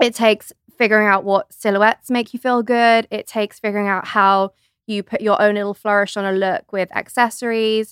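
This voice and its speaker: A woman with a London accent talks at a fairly quick pace and a fairly high pitch. Her intonation is monotone and flat, and the sound is dry and close with no echo. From London, England. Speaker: stylist and content creator. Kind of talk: casual chat.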